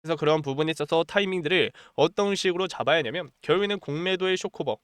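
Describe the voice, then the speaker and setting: A man with a cold delivers a stock market commentary, his fairly high, slightly bright voice strained but clean, moving fast in a dry recording. His repetitive monologue blends stock analysis with a sales pitch, pushing urgent buy-and-sell calls. He is pushy and urgent in a promotional way, using "자" again and again as a filler.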